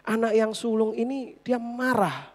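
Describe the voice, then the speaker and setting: A woman's voice: on the high side, unhurried, long reverb tail. A woman preacher delivering a sermon in a conversational style, addressing the congregation directly.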